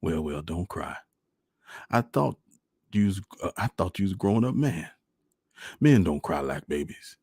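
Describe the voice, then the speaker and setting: A man as a deep-voiced, folksy Southern country father. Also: lively intonation, measured pace, pauses often, a little mellow, breathy edge, dry recording, studio quality, exaggerated voice. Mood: consoling. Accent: rural Southern US. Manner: folksy, consoling, plainspoken. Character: gentle, wistful country father of a small boy.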